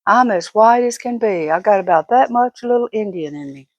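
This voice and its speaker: A woman's voice: medium pitch, animated, normal speed, no echo. An older woman vlogger talking casually and giving opinions in an emphatic, folksy, fussing manner.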